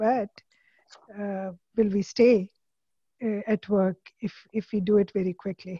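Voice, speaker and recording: Somewhat breathy and dark and mellow in tone, a woman talks at a moderate pace in a monotone, flat delivery, the sound dry with no echo over a quiet background. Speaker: pulmonary critical care physician; panelist. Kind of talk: panel discussion. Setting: video call. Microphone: video call.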